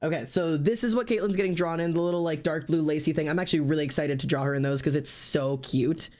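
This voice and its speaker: A streamer and artist in casual chat, talking in an excitable, rambling way and swearing freely. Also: mid-range voice, fast talker.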